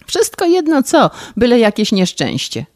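A woman voicing a pampered, distraught young woman who pleads in a high, tearful voice in an audiobook reading. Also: animated, a little slow, a little mellow. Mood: tearful, exasperated.

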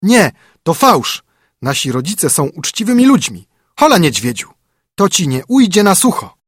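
A man voicing indignant young wren chicks in a storybook reading, raising his voice high and loud. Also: animated, moderate pace, no echo, studio quality. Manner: raised, outraged.

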